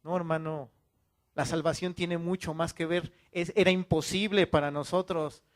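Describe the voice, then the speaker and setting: A man's voice: fairly high pitch, steady tone, moderate pace. A man preaching a fiery sermon, firing off rhetorical questions and calling his listeners to repent. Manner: acts out quoted voices of churchgoers.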